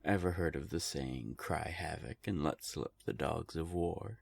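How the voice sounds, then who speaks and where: A very low, husky voice with a heavy rasp , acted by a man, belonging to a centuries-old vampire in an audio drama. The vampire is theatrical and condescending, taunting with smug, polished menace. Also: measured pace, no echo, full character voice. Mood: sly, matter-of-fact.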